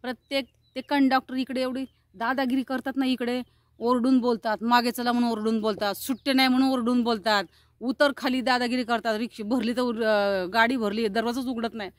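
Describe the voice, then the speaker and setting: A woman's voice: fairly high pitch, steady tone, no room sound. A woman vlogger telling an angry story, quoting the people she argued with. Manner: indignant, rapid retelling with quoted dialogue.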